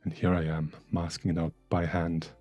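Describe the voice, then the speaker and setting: Guy on a live stream cracking dry jokes, low mellow husky voice, um-ing as he works. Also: flat delivery, normal speed, muffled recording, faint music behind. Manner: joking, wry, trails off with fillers. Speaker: livestream co-host. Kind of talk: casual live-stream chat while working.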